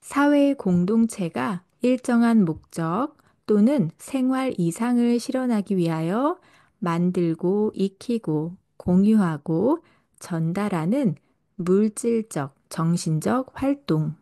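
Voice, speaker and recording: A woman reading a scripted podcast lesson for language learners, speaking slowly and carefully. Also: mid-range voice, expressive, dark tone. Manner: slow, careful delivery for learners. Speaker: Korean language teacher and podcast host.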